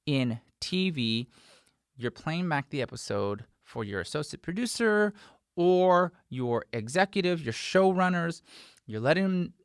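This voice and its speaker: A man's voice: on the high side, clear, resonant tone, no echo, clean studio sound. An American man in his forties hosting a conversational instructional talk, stressing his advice emphatically. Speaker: host, sound mixer. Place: small indoor post-production studio. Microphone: desk microphone close in front.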